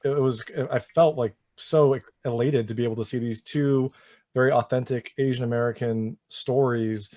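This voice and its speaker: A man's voice: medium pitch, steady tone, normal speed, warm tone. A man interviewing actors in a casual chat, rambling and using many filler phrases as he asks questions. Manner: rambling, heavy use of "you know".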